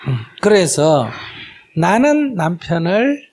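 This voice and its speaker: Gravelly high-voiced monk teaching. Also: male voice, slow. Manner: rhetorical questions to the audience, acts out quoted exchanges in lively shifting voices. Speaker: Buddhist monk answering questions. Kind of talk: live question-and-answer dharma talk. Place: lecture hall with audience.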